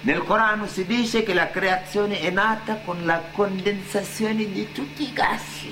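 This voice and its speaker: An actor playing an earnest, philosophical immigrant labourer in radio theatre, with an insistent, expressive delivery. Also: male voice, high-pitched, unhurried. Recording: faint background noise.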